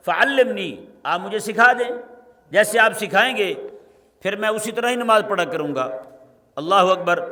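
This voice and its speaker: A man's voice: sits high, bright, forceful tone. A man delivering a Friday sermon as a mufti, reciting Arabic phrases and explaining them, with rhetorical questions to the congregation. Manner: asks rhetorical questions and checks in with "hain ji". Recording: long echoing reverb of a large hall.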